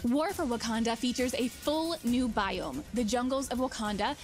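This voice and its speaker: A woman reading scripted promotional narration for a game trailer, smooth and upbeat. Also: fairly high pitch, moderate pace. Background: trailer music.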